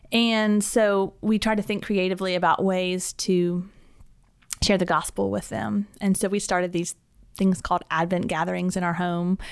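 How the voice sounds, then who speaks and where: The woman has a normal speaking voice at medium pitch with fairly even intonation. Her pace is moderate, on a very clean recording with a silent background. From US South, Georgia (Alpharetta, north of Atlanta). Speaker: pastor's wife. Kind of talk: casual interview.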